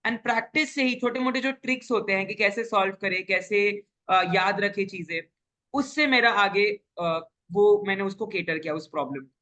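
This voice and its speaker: Young man, bright voice, earnest, explains step by step, mixes in english. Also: sits high, normal speed. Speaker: exam topper guest. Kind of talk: casual interview chat.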